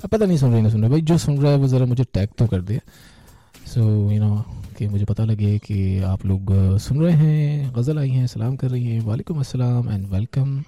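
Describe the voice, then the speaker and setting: A man's voice: mid-range voice, normal speed, dark tone, no echo. A man hosting an online radio show, chatting casually and affectionately with listeners, often laughing and slipping into English. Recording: faint music underneath.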